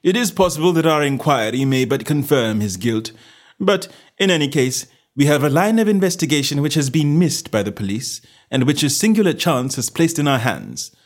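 A man voicing a shrewd gentleman detective in a story reading, self-assured and genteel with a careless, goading manner. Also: fairly high pitch, animated, normal speed, pitched above the performer's own voice. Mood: resolute.

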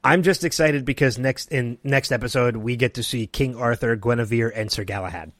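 A man co-hosting a podcast, excitedly recapping TV episodes in casual chat with restarts. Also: mid-range voice, fairly quick, no room sound. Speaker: podcast co-host.

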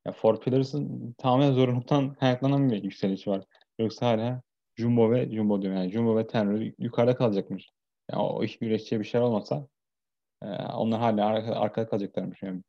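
A man's voice: fairly low pitch, fairly even intonation, fast talker, gravelly. A man co-hosting a casual discussion, heard through a dull lo-fi voice channel. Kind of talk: casual wrestling history discussion.

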